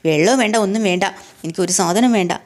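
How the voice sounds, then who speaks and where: A woman's voice: lowish voice, fast talker, darkish tone, natural voice. A woman voicing a hot-tempered middle-aged husband. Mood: angry. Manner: gruff scolding.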